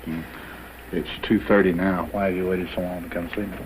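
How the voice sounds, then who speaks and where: An actor playing a measured, businesslike police officer taking details in a 1970s training film. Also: male voice, low-pitched, flat delivery, lightly acted. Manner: measured, questioning. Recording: faintly noisy old film soundtrack.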